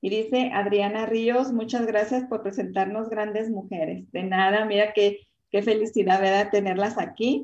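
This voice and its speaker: At a fairly slow speed, with fairly even intonation, comes a plain, everyday voice. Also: woman, fairly high pitch for a woman. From Mexico, Chihuahua. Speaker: talk show host. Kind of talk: casual interview.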